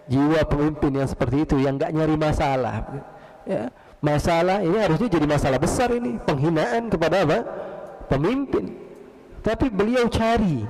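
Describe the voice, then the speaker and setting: In a large mosque hall full of long reverb, a man with a slightly high, darkish voice preaches through a story, giving each character a voice and posing questions to the crowd.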